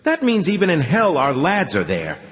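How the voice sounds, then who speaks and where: Man putting on a brash crude broker, loud and high, wheedling, long reverb. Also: wildly swooping pitch, moderate pace.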